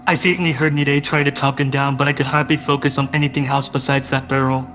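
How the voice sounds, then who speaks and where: A man's voice: medium pitch, flat delivery, fast talker, a bit bright, soft background music. A man narrating a first-person audio drama in a wistful, doting way that grows uneasy.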